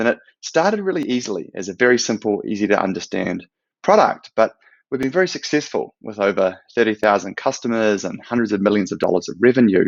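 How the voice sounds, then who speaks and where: A man with a New Zealand accent at a medium pitch and a fairly quick pace. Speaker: product manager. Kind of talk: conference talk.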